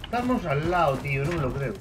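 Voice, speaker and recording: A man with a Spain Spanish accent streaming live gameplay commentary, excitable, swearing and yelling at opponents. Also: on the high side, fast, recorded from a distance, noisy background.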